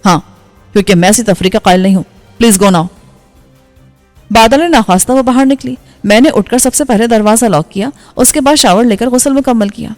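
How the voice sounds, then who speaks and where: A woman storyteller narrating a novel in a steady, even reading voice. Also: a little high. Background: faint background music.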